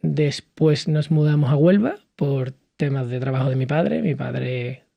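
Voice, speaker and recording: A man from Cádiz in his thirties, speaking as a podcast guest in a lively conversational way, with frequent fillers and restarts. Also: mid-range voice, measured pace, gravelly, dry recording, highs cut off. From southern Spain, Cádiz. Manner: animated storytelling with many fillers and restarts. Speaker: podcast guest, hospitality entrepreneur. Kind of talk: conversational interview.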